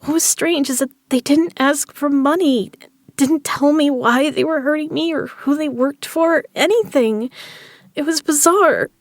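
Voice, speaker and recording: A woman's voice: high voice, a little slow, dry recording, clean studio sound. A woman acting a stubborn, injured gambler in an audio drama, strained but defiant. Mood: puzzled, uneasy.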